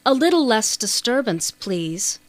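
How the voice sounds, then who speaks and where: A woman's voice: a little high, big pitch swings, a little slow, no room sound. A stern schoolmaster from a storybook, voiced by a woman narrator. He speaks in a controlled, formal way, with clipped and patient authority.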